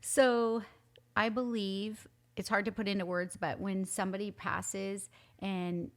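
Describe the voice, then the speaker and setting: A middle-aged woman speaks as a podcast guest, nurturing and reflective, choosing her words earnestly. Her voice has a gravelly fry and sits at a medium pitch. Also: flat delivery, a little slow. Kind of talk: casual heartfelt chat.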